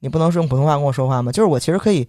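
Young man with a Beijing accent, podcast storyteller, rapid-fire, high-ish voice, dry close sound, indignant and animated. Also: no room sound. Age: young adult. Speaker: podcast co-host. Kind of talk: storytelling casual chat.

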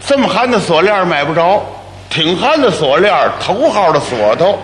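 A man telling a solo comic story in a lively, wry manner. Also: high voice, moderate pace. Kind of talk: solo crosstalk monologue. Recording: echoey hall, faint noise.

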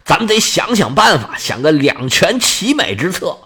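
A man's voice: on the high side, big pitch swings, normal speed, pushed and bright, slightly rough, heavily acted. A man voicing a desperate male warrior who talks anxiously. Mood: worried. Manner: anxious, pleading. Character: desperate male Greek warrior, worried and pleading.

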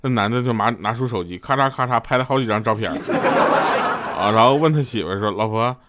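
A man's voice: mid-range voice, brisk, fairly bright tone. A man hosting a comedic radio show, telling jokes in a loose, rambling way and chuckling at his own punchlines. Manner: joking storyteller, chuckles between punchlines; loose, stumbling restarts.

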